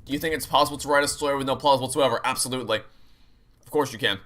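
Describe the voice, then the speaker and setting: A man's voice: medium pitch, fairly even intonation, quick pace, fairly bright tone. A man streaming a game, chatting with viewers and explaining his opinions in an analytical way while he plays. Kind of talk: live playthrough commentary and chat. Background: video game music and sounds.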